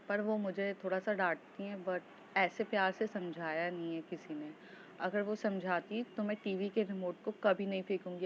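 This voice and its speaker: A woman's voice: mid-range voice, slight background noise, natural voice. Woman playing a teenage girl student, earnest, eager, insistent, slightly lo-fi recording.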